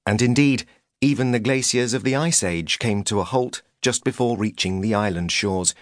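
A man's voice: medium pitch, dry recording. A man reading a humorous memoir as an audiobook narrator, with a dry, wry delivery.

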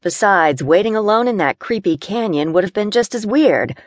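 A woman voicing a feisty young city woman who is claustrophobic and quick to panic. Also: medium pitch, expressive, no echo, pitched above the performer's own voice, lightly acted. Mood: nervous, sassy. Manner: jumpy, sassy, quick to panic.

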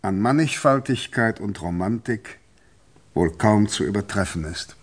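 An actor playing a gentleman author who looks back on his combative life, reflective and composed, in a radio play. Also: lowish voice, expressive, unhurried. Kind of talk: autobiographical narration in a radio play.

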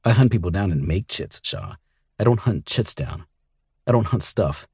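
A man voicing a hard-bitten male bounty hunter who talks in a cool, dry, resigned way, with a husky voice. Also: on the low side, lively intonation, normal speed, darkish tone, dry recording, voice pushed up. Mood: weary.

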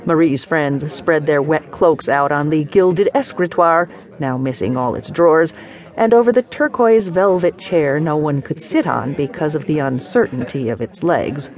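A woman narrating a novel as an audiobook, measured and expressive. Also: deep voice. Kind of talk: scripted narration.

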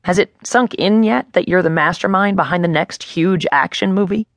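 A woman reading an audiobook voices an eager, effusive male film producer who gushes with excitement. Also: lowish voice, moderate pace, no room sound, studio quality, lightly acted. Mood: gushing. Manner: gushing, excited.

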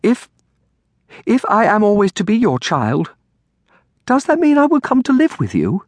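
Man voicing a high-pitched, pleading little orphan girl. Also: wildly swooping pitch, no echo, heavily acted. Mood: anxious, questioning. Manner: tearful, halting, stammering on first words. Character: distraught, pleading eleven-year-old orphan girl.

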